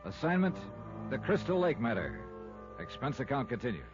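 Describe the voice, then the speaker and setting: An American actor playing a tough, wry, skeptical insurance investigator with clipped delivery in 1950s radio style. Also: male voice, mid-range voice, sing-song, normal speed, close to an everyday voice. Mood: brisk narrating. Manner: clipped, hardboiled, pointed. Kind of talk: 1950s radio detective acting. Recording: dull vintage radio recording, faint music.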